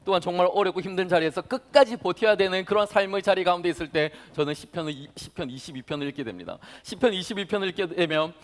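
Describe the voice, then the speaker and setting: A man in his thirties, a pastor preaching to young adults, dramatic in delivery, acting out prayers and swinging from hushed to loud. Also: high voice, fast, few pauses. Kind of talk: sermon.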